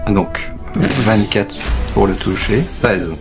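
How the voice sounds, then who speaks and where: Low-pitched man playing a tabletop game. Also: takes it slowly, over music. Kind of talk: casual game table talk.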